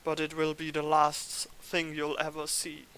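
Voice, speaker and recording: A man gives voice to a gloating bird killer in a story game. He taunts with threat in every line, set high, with loud music beneath. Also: monotone, measured pace, rough recording. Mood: menacing. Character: menacing male bird assassin, gloating.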